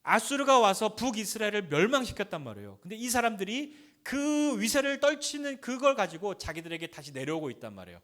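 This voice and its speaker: Male pastor, slightly high voice, chatty sermon delivery that mimics taunts with casual bluntness. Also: big pitch swings, quick pace, few pauses, a bit bright. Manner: conversational preaching, acts out taunting quotes in a blunt casual voice.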